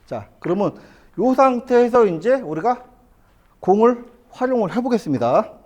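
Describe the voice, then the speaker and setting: A middle-aged man giving a hands-on billiards lesson in a billiard hall, explaining step by step and asking the viewer quick questions as he plays. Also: high-pitched, sing-song, darkish tone. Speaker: billiards instructor. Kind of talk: hands-on lesson, talking while playing.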